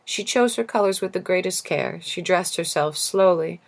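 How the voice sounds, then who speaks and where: A woman reading a literary story aloud as an audiobook narrator, in a gentle, measured and expressive manner. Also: lowish voice, gravelly. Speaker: audiobook reader.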